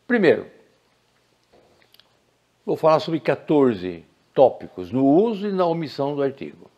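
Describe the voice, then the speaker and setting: An older man from Brazil teaching Portuguese grammar in a recorded lecture, deliberate and didactic, stressing key words. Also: a little high, big pitch swings, warm tone, highs cut off.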